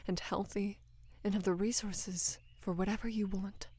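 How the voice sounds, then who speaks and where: A young woman playing a devoted, lovestruck female knight in an intimate roleplay audio, speaking in a hushed, breathy, halting and earnest way. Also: medium pitch, fairly even intonation, lightly acted. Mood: earnest, worried. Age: young adult. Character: devoted female knight, tender, anxious, in love with queen. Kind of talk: intimate roleplay audio, soft acted monologue.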